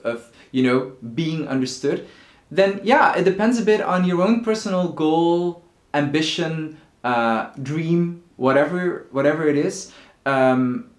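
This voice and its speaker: Man teaching, echoey room. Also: mid-range voice. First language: Dutch. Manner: thoughtful, repeats words while searching for phrasing. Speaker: Dutch language teacher. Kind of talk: casual explanatory talk to camera.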